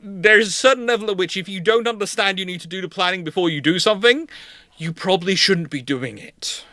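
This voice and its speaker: His voice high, brisk, pushed and bright, the consultant hosting a naval history livestream answers questions on a dry recording. He keeps repeating himself hesitantly and driving points home by restating them.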